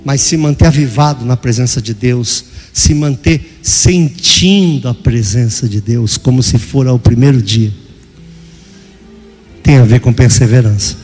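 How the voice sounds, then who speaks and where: An older man preaching a sermon as pastor, dramatic, acting out voices and sometimes shouting. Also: mid-range voice, unhurried, long reverb tail, soft background music.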